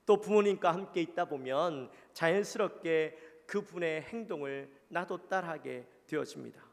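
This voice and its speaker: A male pastor with a Gyeongsang Korean accent, giving an earnest, conversational sermon and putting questions to the congregation. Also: fairly high pitch. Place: church sanctuary. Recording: long church-hall reverb.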